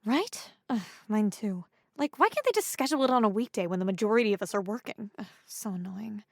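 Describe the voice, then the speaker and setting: An actress playing a chatty, teasing young female coworker in an audio drama, with an expressive manner. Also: medium pitch, a little fast, no echo, clean studio sound. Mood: grumbling, chatty.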